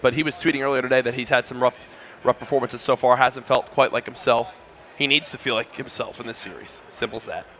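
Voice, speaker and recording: A man's voice: mid-range voice, fairly even intonation, fast, a bit bright. A male esports commentator trading easygoing jokes with his co-caster while they wait for a match. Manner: joking, easygoing banter. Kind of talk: casual caster banter between matches.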